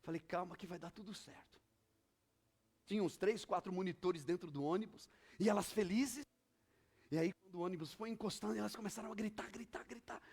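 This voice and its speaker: A man's voice: sits high, fast talker, a little mellow, breathy edge. A male pastor, preaching a sermon with emphatic, repetitive storytelling.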